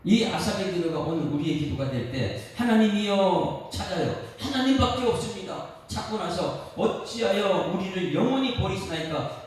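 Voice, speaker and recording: Korean pastor preaching in an echoey hall. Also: male voice, high voice. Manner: emphatic, rhetorical questions to the congregation, sings a line. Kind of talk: dawn service sermon. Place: church sanctuary. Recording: echoey church hall from a distance, faint ambience.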